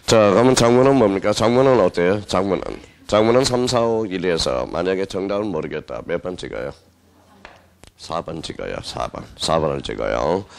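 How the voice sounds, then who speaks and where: A man's voice: deep voice, expressive, brisk, vocal fry. A male exam-prep lecturer teaching a class, who asks the students questions, answers them himself and repeats the key words.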